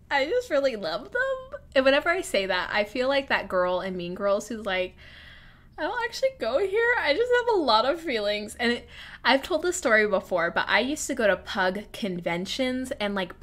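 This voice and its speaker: A woman's voice: mid-range voice, a bit bright. Young woman, 20s, chatty vlog voiceover, giggly, filler-heavy. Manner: bubbly, giggly, lots of "like". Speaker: speed-build vlogger. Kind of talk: casual storytelling voiceover. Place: home room.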